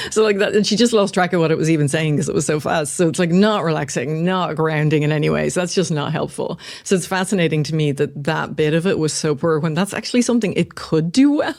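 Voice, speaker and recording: A fairly low-pitched woman with an Irish accent, very fast with hardly any pauses, very even loudness and ordinary pitch variation, over noticeable background noise. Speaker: podcast co-host and psychology lecturer. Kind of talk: casual podcast discussion. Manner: animated.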